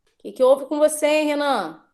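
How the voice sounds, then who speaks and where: Lady teaching an online class, slow and patient on the key words, kinda high voice. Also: darkish tone. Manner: patient, stretches words to drill syllables.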